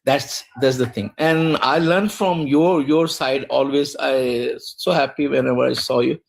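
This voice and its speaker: Man, halting mixed-language chat. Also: medium pitch, fairly even intonation, vocal fry. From Pakistan. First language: Urdu. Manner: halting, many fillers, mixes English and Malay. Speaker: guest on live stream. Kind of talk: casual chat.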